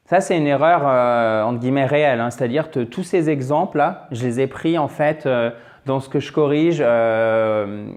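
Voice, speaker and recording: A man's voice: medium pitch, a little mellow. A man teaching English grammar in a video lesson, encouraging and repetitive, with frequent fillers. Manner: encouraging, repeats key points, many fillers.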